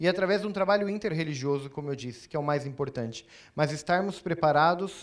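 The background is quiet. A man talks at a fairly high pitch with ordinary pitch variation. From Brazil (São Paulo). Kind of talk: panel speech. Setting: stage with audience. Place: hall. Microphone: handheld.

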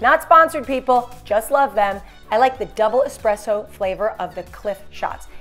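A woman talks at a fairly quick pace with ordinary pitch variation. Faint music plays in the background. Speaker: lifestyle vlogger. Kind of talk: casual vlog chat. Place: home room.

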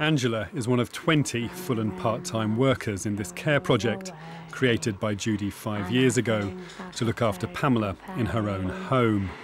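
Against noticeable background noise, the speaker uses a calm, serious tone with lively intonation at a moderate pace. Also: man, medium pitch for a man. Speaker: documentary narrator. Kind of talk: 1990s documentary narration, scripted voiceover. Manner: measured, calm, even and formal, serious tone.

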